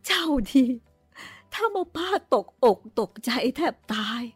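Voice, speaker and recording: Old aunt, scolding and flustered, slow delivery, a woman reading. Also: dry recording, faint music behind, close to an everyday voice. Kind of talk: audiobook reading.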